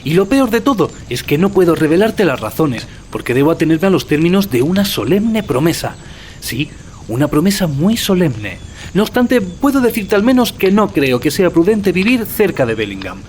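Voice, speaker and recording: An actor playing an anxious, earnest young student in an audio drama, speaking in urgent, solemn warnings. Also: male voice, sits high, sing-song, moderate pace, darkish tone, slight background noise. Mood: grave, evasive. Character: anxious young male student, earnest, secretive clergyman's son.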